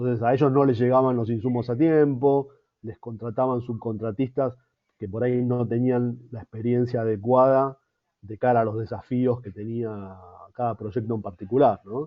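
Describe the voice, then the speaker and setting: A man's medium-pitched voice with a Rioplatense accent, fairly even intonation, big swings in loudness, and a moderate pace. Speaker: civil engineer, public works manager. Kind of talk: podcast interview.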